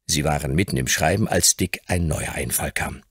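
A man reading an audiobook as narrator, telling the story in an expressive, scripted manner. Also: rumbling low, normal speed, husky, no echo.

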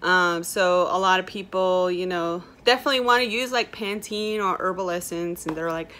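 A woman's voice: on the low side, normal speed, fairly bright tone. A young woman with a Native American reservation accent, talking in a casual, informal, rambling vlog style. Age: young adult. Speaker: vlogger. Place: small room indoors.

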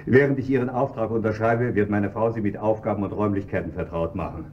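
An actor playing a bluff, cheerful, well-off husband in a radio crime play. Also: male voice, on the low side, fairly even intonation, fast talker, close to an everyday voice. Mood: jovial. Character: hearty well-off husband, jovial and trusting. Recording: distant, dull radio recording with faint hum.

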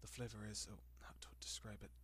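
A man playing a doting, possessive centuries-old vampire in an intimate roleplay audio, speaking in a genteel, coaxing manner with lingering pauses. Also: lowish voice, flat delivery, fairly bright tone, slightly rough, in a whisper. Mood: savoring.

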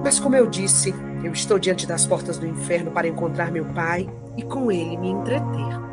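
A woman's voice: fairly low pitch, animated, normal speed, over loud music, close to an everyday voice. A Brazilian woman playing a weary, steadfast epic hero on a quest, earnest and questioning in an audio drama. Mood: resolute. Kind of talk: theatrical audio drama acting.

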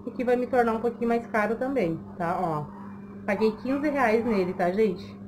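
A woman's voice: a little high, moderate pace. A woman, chatting casually to camera as a vlogger and often checking in with the listener. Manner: conversational, frequent checking tags to the listener. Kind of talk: casual chat to camera, giving tips. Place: small room at home, indoors. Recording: clearly noisy home recording.

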